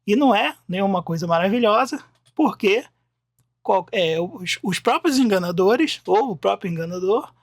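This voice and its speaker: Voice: mid-range voice, lively intonation, moderate pace, dry recording, studio quality. A teacher with a Brazilian Portuguese accent explaining Bible words from slides in a recorded lesson, talking conversationally, thinking aloud and often restarting sentences.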